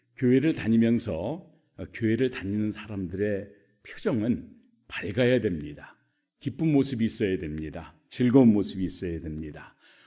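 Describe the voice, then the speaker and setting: A man's dark, mellow tone with lively intonation, a moderate pace and audible room echo. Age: 60s. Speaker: retired pastor, guest preacher. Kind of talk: sermon. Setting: church.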